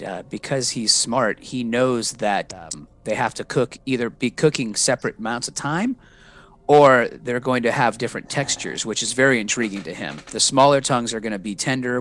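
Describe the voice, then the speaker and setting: A man's voice: mid-range voice, moderate pace, fairly bright tone. A man casually narrating his character's thoughts in a tabletop game.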